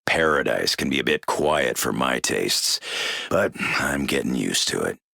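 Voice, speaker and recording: An actor playing a gruff, brawling mutant with a soft streak in a video game, with terse, rough speech and a growling voice. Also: male voice, very deep voice, expressive, unhurried, full character voice. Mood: gruff, welcoming. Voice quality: gravelly, growling.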